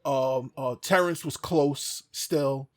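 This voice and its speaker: A man's voice: medium pitch, slow. A man chatting casually as a podcast co-host, reminiscing in a searching way and often repeating his phrases.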